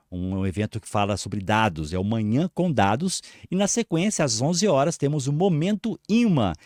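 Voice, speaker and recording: A man's voice: medium pitch, darkish tone, no room sound, clean studio sound. A man with a Brazilian accent hosting a live online show, giving announcements and introducing a guest.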